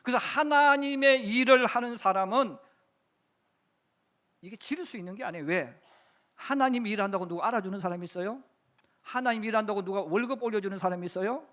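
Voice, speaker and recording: High-voiced male pastor preaching. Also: a little fast, a bit bright. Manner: storytelling, acting out biblical dialogue; rhetorical questions to the congregation. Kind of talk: sermon. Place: church sanctuary.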